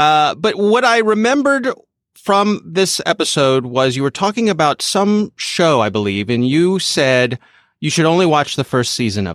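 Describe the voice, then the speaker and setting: Speaking at a moderate pace with an American accent, a man with a fairly high pitch makes very wide pitch swings, in a very clean recording with a silent background and a dry, close sound with no echo. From US. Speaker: podcast guest, security journalist. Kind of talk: casual chat.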